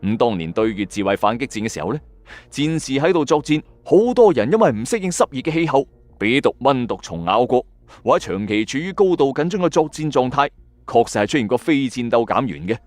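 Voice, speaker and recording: A man's voice: mid-range voice, big pitch swings, fairly quick, a little mellow, no echo. A man with a Hong Kong Cantonese accent narrates like a late-night ghost story host, colloquial and emphatic, speaking straight to listeners. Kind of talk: dramatic storytelling narration with commentary. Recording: dry voice-over with music underneath. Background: background music.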